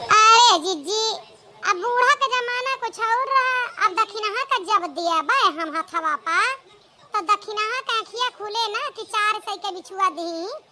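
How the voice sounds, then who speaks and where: A woman does a cartoonish character voice at an extremely high pitch. She keeps a moderate pace with lively intonation. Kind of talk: village comedy dialogue. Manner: easygoing, reasonable.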